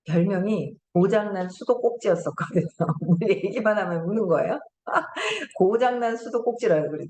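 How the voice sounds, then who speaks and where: A middle-aged woman hosts a casual lecture, telling chatty stories and laughing often. Her pitch sits in a mid range. An echoey room surrounds her voice. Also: animated, moderate pace, darkish tone, a little hiss or hum. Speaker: host.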